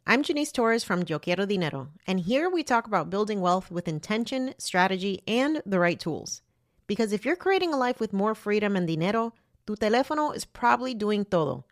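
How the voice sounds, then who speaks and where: A woman's voice: medium pitch, no room sound, clean studio sound. A woman, a podcast host, reading a scripted ad that switches between English and Spanish.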